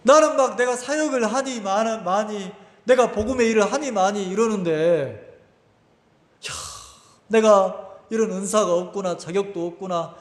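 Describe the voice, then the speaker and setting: A man's voice: high-pitched, moderate pace. A male pastor preaching a sermon and putting rhetorical questions to his congregation. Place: church sanctuary. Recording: echoey church hall with long reverb.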